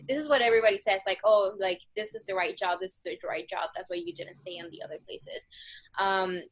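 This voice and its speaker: A woman's voice: mid-range voice, fairly bright tone, rough recording. A young woman from Mexico chatting casually about her job search as a coaching client, filling her talk with "like" and "um". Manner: chatty, lots of "like" and "um" fillers. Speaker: coaching client giving a testimonial. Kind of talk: casual interview answers.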